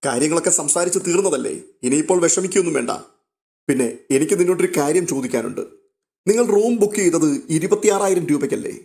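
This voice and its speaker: A stern older father who rules his household, with a commanding and interrogating manner, as a man reads his lines. The delivery is fast and sits a little high. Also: lively intonation, creaky, dark tone.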